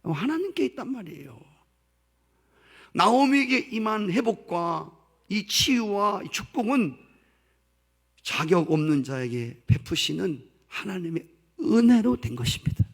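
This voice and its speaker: A male pastor preaching a sermon, acting out voices and swinging between loud outbursts and hushed asides. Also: high-pitched, very animated, a little slow, gravelly, breathy edge.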